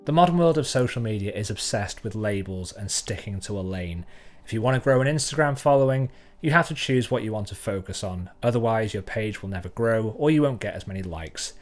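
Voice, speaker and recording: A man's voice: fairly low pitch, animated, fairly quick, faint music behind. A man from North Wales, a photographer talking to his viewers in a thoughtful, conversational way. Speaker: photographer and channel host. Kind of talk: reflective talk to camera.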